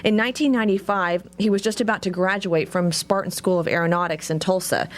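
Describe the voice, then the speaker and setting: A woman's voice: mid-range voice, steady tone, fairly quick. A woman working as a television news reporter, delivering scripted narration and questions for a human-interest story.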